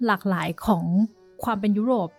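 A woman co-hosting a podcast tells a story in a chatty, hesitant way during a casual chat, slipping in English words. Her medium-pitched voice is creaky and fairly quick, with soft music playing in the background.

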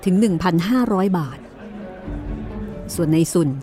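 A woman's voice: fairly low pitch, normal speed, mellow, faint music behind. A woman narrating a courtroom mystery story in a storytelling style.

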